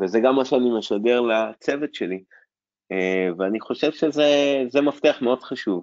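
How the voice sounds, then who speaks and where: Fairly slow and medium in pitch, this man speaks with ordinary pitch variation. He has a plain, everyday voice. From Israel, Jaffa. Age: 30s. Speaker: real estate agency owner. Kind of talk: interview.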